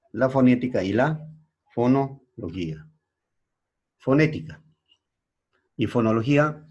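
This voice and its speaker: A husky male teacher with a Peruvian Spanish accent explains a lesson at a slow, unhurried pace. He often stops to check with his students, and his voice sits at an ordinary middle pitch. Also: darkish tone. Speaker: secondary school language teacher. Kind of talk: classroom lesson.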